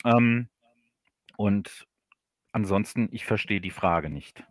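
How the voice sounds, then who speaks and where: A man in a casual livestream interview, explaining haltingly as the guest author and often repeating his words. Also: lowish voice, no room sound, clean studio sound. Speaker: guest, audio drama author.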